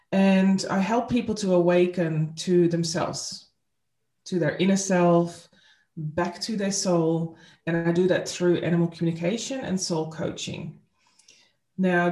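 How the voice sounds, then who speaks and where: A woman's voice: lowish voice, a little mellow. Earnest woman in an echoey room. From Netherlands. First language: Dutch. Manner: earnest, unhurried storyteller. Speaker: guest, spiritual coach. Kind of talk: storytelling in an interview.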